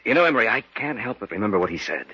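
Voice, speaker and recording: A lively, uneasy sidekick. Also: male voice, fairly low pitch, rapid-fire, husky, full character voice. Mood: casual. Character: Chuck, the narrator's skeptical friend. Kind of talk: 1940s radio acting. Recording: dull old radio broadcast.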